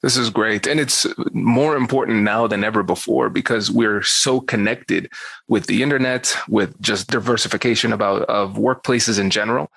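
A man's voice: on the low side, moderate pace, vocal fry, fairly bright tone, no room sound. A man hosting a negotiation podcast, giving a polished intro and then interviewing a guest. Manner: polished, promotional delivery. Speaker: podcast host.

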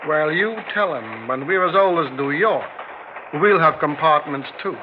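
A folksy, easygoing train conductor in an old drama. His wry voice is fairly high and swings in pitch. The soundtrack is muffled and noisy. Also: expressive, measured pace. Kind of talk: old broadcast drama acting.

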